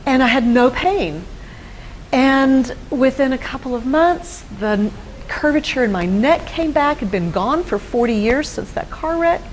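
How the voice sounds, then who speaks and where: Woman in her 50s, a bit high voice, earnest storyteller on a talk show, faint hum behind. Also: expressive, a little slow, rough recording. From Texas. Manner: earnest storytelling, acts out quoted dialogue. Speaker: guest. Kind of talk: personal testimony in a studio interview.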